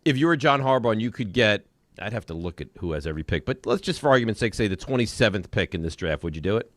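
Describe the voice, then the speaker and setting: Fast, animated New sports radio man. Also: lowish voice, no echo, studio quality. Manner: fast, animated, repeats words when starting sentences. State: slightly hoarse.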